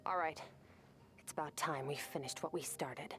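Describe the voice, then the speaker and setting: Woman voicing a low, solemn warrior mentor. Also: fairly even intonation, normal speed, over music, lightly acted. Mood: resolute. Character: composed, solemn female warrior mentor, cool and resolute. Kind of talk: video game voice acting.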